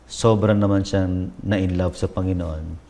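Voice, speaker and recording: A man's voice: sits low, fairly even intonation, unhurried, mellow, a little hiss or hum. A man, a pastor telling his personal testimony in a reflective way, switching between Tagalog and English. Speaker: pastor, interview guest.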